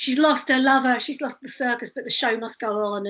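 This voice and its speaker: A woman's bright, sharp, high-pitched voice with ordinary pitch variation. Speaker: street performer. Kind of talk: interview answer. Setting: Skype call. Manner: energetic.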